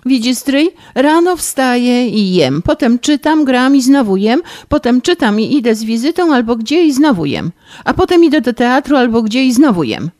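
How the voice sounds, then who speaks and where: A woman voicing a pampered, distraught young woman who pleads in a high, tearful voice in an audiobook reading. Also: animated, unhurried, hardly any pauses, darkish tone. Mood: tearful, exasperated.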